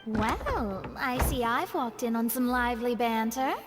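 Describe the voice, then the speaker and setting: Young astrologer for a game: fairly high, proper, articulate, confident in her views, music behind. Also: lively intonation, a little slow. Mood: assured, conversational. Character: self-assured young woman astrologer, proper and opinionated. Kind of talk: video game voice acting.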